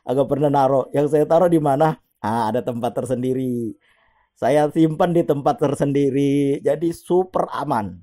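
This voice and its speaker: A man's voice: mid-range voice, normal speed, dark tone. A middle-aged man, casually telling a personal story with frequent chuckles. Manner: chatty, laughs often while telling; opens with Islamic greetings and prayer.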